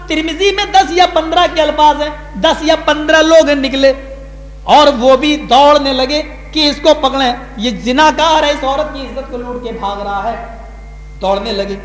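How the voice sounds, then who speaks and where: A male Islamic preacher giving a sermon to a gathering, telling stories with passion and rising high on key words. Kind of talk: Urdu sermon with dramatic storytelling. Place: large hall, live gathering. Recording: echoey hall with long reverb.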